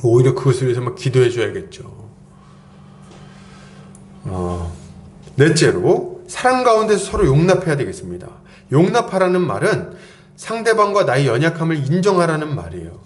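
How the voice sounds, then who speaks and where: Male pastor, fairly high voice with wide, lively pitch swings, casual preaching. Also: normal speed. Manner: conversational preaching, acts out quoted lines, chuckles often. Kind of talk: sermon.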